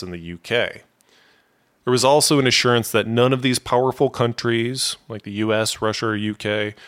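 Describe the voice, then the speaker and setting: A man hosting a podcast, reading a scripted history narration in a steady, explanatory way. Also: medium pitch. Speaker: podcast host.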